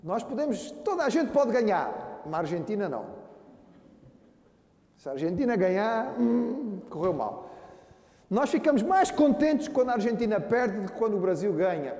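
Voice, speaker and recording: A man's voice: high voice, big pitch swings, normal speed, mellow. A man with a Brazilian Portuguese accent, a pastor preaching a sermon who earnestly calls his listeners brothers. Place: church hall. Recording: echoey church hall with long reverb.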